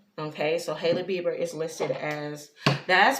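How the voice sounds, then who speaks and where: Moderately paced speech from a woman with a very deep, low voice, amid noticeable background noise and audible room echo. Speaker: tarot reader. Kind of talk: casual tarot reading monologue. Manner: casual with filler words.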